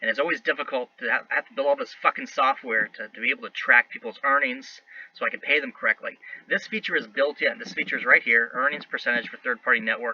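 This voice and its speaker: Rushing at a very fast pace, a man speaks with big swings in loudness. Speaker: tech company president. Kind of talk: software demo and rant.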